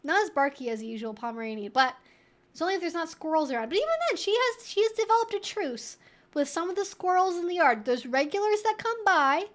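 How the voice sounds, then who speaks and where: A woman's voice: very high-pitched, lively intonation, fast, fairly bright tone. A woman hosting a casual Q&A livestream, talking in a chatty, rambling way full of informal asides. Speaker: livestream host answering viewer questions.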